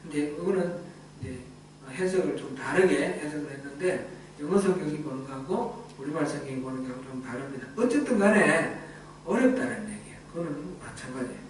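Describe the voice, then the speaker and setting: High-voiced pastor preaching in echoey hall. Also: male voice, lively intonation, brisk, slight background noise. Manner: conversational preaching, acts out quoted dialogue. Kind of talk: sermon. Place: church sanctuary. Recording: echoey church hall, mic far off, faint ambience.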